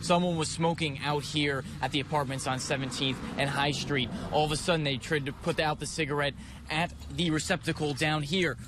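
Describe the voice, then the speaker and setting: A man with a fairly high voice talks at a fairly quick pace over noticeable background noise. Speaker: TV news reporter. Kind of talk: TV news reporter package.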